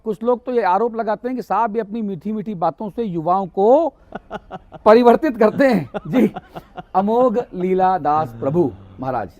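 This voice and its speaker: A man's voice: high voice, lively intonation, a little slow, a little mellow, muffled recording. A man hosting a televised interview, asking pointed, provocative questions in a temple hall. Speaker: news channel interviewer. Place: temple hall with devotional music behind.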